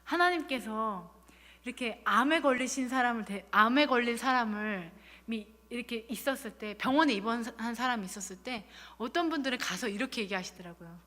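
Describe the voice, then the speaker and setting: A woman's voice: a little high, a little fast, bright, forceful tone, in a large hall. A woman in her thirties, a pastor giving a sermon with earnest personal storytelling and emphatic repeated phrases. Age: 30s. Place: church sanctuary.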